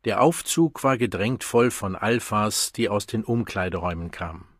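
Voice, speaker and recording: A man with a husky voice narrating an audiobook in a measured reading manner. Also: lowish voice, a bit bright, no echo, clean studio sound.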